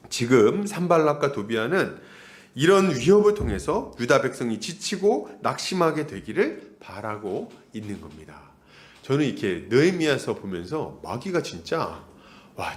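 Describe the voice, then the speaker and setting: A male pastor preaching an expository sermon, throwing rhetorical questions at the congregation and acting out the voices he quotes. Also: on the high side.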